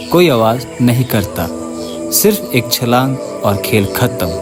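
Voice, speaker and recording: Medium-pitched male speech set against background music. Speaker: voice-over narrator. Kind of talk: wildlife documentary narration.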